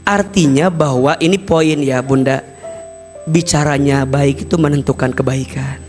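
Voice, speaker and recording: A man with a Sundanese accent giving a lively sermon, acting out everyday conversations and breaking into loud, emphatic lines. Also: mid-range voice, normal speed, faint music behind. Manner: animated, acts out everyday dialogues, bursts into loud emphatic lines. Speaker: preacher. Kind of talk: lively sermon to a mostly female audience.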